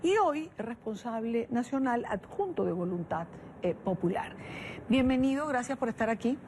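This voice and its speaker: A woman's voice: fairly high pitch, expressive, normal speed, darkish tone, slight background noise. A woman hosting a news interview, asking probing, direct questions. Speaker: interviewer, host.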